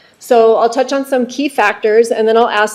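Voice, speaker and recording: Noticeable background noise sits behind this voice. A woman speaks with a fairly high pitch. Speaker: public commenter, local resident. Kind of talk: public comment at county hearing. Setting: public hearing room.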